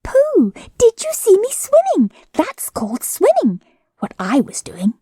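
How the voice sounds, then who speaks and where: A woman voicing a tiny, excited young male kangaroo who squeaks and boasts. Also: a little slow, no echo, studio quality, exaggerated voice. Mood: excited boasting.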